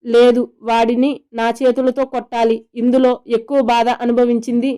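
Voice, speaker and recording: A woman's voice: on the high side, little pitch movement, normal speed, dark tone, clean tone, natural voice. A woman voicing a hurt but fiery young wife in a romantic audio story, speaking with spirit. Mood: heartfelt. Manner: spirited, indignant tone.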